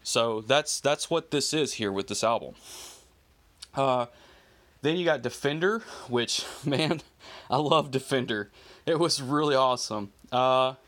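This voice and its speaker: An excited man reviewing an album casually. He rambles with lots of fillers and slang and runs out of breath. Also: mid-range voice, a little slow. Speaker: music reviewer.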